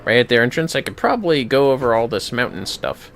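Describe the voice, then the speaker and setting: A man's voice: medium pitch, sing-song, fast, fairly bright tone. A man giving casual, foul-mouthed commentary on a gaming livestream, muttering to himself with playfully theatrical outbursts.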